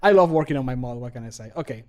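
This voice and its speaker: A man's voice: mid-range voice, lively intonation, rapid-fire, a little mellow, a little hiss or hum. A man in his thirties rambling casually as he streams, with loose, sweary chat. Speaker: streamer and mod maker. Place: small home room, indoors. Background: background music.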